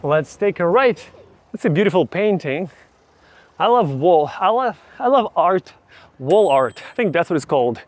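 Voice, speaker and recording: Young ukrainian guy walking around outside with a camera, kinda high voice, chatty and explaining stuff. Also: big pitch swings, no echo. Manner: chatty, explains words slowly and repeats them. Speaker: vlogger and English teacher. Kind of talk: casual travel vlog with teaching asides. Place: outdoors on city streets.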